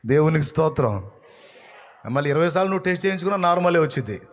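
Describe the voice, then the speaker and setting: A male pastor with a Telugu accent preaching an evangelical sermon, scolding and urging his listeners, swinging between loud outbursts and hushed lines. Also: fairly high pitch, animated, very fast.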